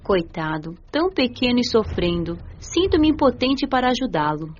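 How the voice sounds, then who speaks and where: A woman playing a gentle, earnest young female spirit, narrating a dramatised audiobook in a measured, sincere way. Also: fairly high pitch, sing-song, slight background noise. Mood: concerned. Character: gentle, earnest nineteen-year-old female spirit narrating her afterlife. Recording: dull lo-fi audio with music.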